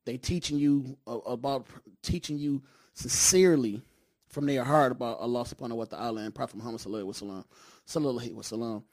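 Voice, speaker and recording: A middle-pitched man from Detroit with an African American accent, in casual conversation. He talks emphatically, repeats phrases for weight and keeps checking that he is being followed. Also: quick pace, a little mellow. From Detroit, United States. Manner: emphatic and repetitive, with frequent checking tags.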